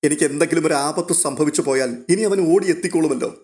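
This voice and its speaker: A worried, tender young sister from an audio storybook, her pleas pitched high and strained, as a male narrator puts her on. She sounds urgent and caring, pressing gently for answers. The voice is kept steady and close. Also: fast, close to an everyday voice. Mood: tearful. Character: anxious, tender young woman, loving elder sister.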